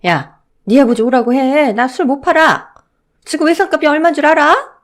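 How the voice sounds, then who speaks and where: A woman voicing a fed-up middle-aged shopkeeper who scolds loudly about unpaid debts in a Korean audio story. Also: mid-range voice, big pitch swings, normal speed, creaky, voice pushed up. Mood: scolding. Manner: loud, scolding, exasperated.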